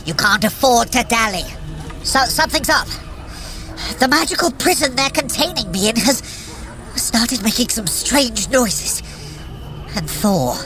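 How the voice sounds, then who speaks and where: A woman's voice: medium pitch, close to an everyday voice, rough recording. A woman playing a haughty, mischievous trickster god in a workout audio drama, theatrical, boastful and wry, with music behind. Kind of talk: immersive audio drama narration for a running workout.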